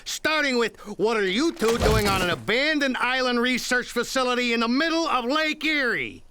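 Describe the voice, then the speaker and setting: An actor playing a pushy, bumbling police captain in a cartoon, brash and loud. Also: male voice, extremely high pitch, lively intonation, normal speed, noisy background. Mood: gruff.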